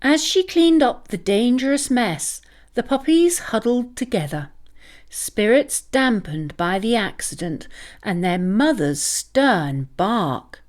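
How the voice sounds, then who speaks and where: A woman narrates a children's story in a high voice with a highly varied melody. She takes it very slowly, shaping the scripted lines dramatically and expressively. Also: animated.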